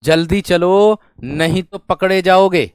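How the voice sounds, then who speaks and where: A man's voice: sits high, takes it slowly, clean tone, dry recording, studio quality. A man giving a classroom grammar lesson, dictating example sentences, repeating phrases and often checking that students follow with familiar rhetorical questions. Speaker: Hindi grammar teacher.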